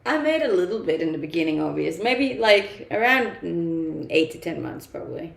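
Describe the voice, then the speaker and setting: A woman's voice: on the low side, expressive, moderate pace, creaky, roomy sound. A young woman from Denmark whose first language is Danish, chatting casually on a live stream and reading out viewer comments, laughing often and using many fillers.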